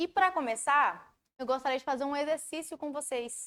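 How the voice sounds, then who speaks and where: The recording is very clean, with a silent background. A high-pitched woman talks at a moderate pace with ordinary pitch variation. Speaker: penal police officer and study mentor. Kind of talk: lecture to a live class. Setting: classroom with audience, microphone. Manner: animated, motivational.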